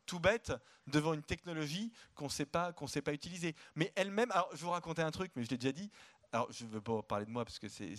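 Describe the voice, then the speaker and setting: Outspoken man, fairly high voice. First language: French. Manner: outspoken, emphatic, repeats words when starting. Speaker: economist guest. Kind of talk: live stage interview. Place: conference stage.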